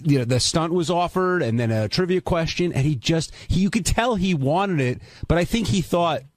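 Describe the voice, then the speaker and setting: Man with lively, swinging pitch, hosting radio. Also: moderate pace, dry recording. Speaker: radio show host. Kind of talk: unscripted panel recap talk.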